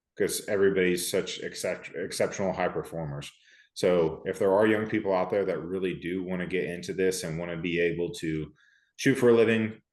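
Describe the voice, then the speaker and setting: A man's very deep, low voice with an American accent, at a fairly quick pace over a quiet background. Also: fairly even intonation. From California. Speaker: competitive shooter and soldier. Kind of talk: podcast interview. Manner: monotone; laid-back.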